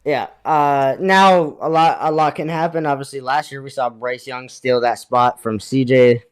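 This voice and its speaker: A man's voice: mid-range voice, steady tone, a little slow, clear, resonant tone. A man co-hosting a casual sports chat over a remote call, hesitant as he thinks aloud. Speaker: podcast co-host.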